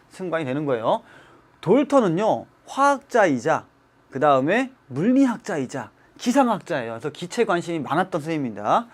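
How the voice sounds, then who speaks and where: A man teaching chemistry in a studio lecture for exam students, emphatic and repeating key terms with rhetorical questions. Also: high voice. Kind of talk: televised exam-prep lecture. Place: broadcast studio.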